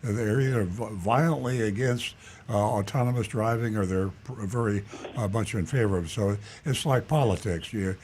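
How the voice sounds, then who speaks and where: A man's voice: lowish voice, a little mellow, a little hiss or hum. A man hosting a car talk show, speaking thoughtfully and restarting phrases as he thinks. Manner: thoughtful, halting, repeats words as he thinks. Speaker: host. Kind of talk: radio talk show chat.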